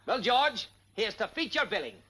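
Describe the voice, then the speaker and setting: An actor playing a smooth-talking showman and con man, full of glib, backslapping salesman patter. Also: sits high, very animated, moderate pace, sharp tone, heavily acted.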